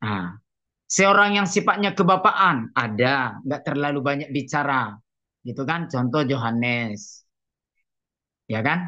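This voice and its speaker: A man with a bright, sharp tone speaks at a very slow pace, his pitch swinging very widely. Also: fairly high pitch for a man. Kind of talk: webinar lecture. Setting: video call. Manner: conversational, uses filler tags.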